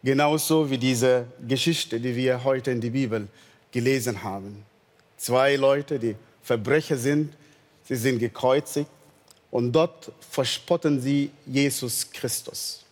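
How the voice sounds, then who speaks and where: Guy preaching, earnest and slow, long echo around him. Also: mid-range voice. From northern Sudan. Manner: earnest, slow storytelling with non-native German grammar. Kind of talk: sermon with personal testimony.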